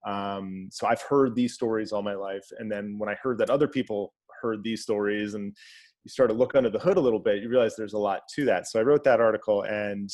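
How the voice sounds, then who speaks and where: A man's voice: fairly low pitch, darkish tone. A man being interviewed as an author, talking in a loose, wry way with many fillers and restarts. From New York. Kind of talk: conversational interview.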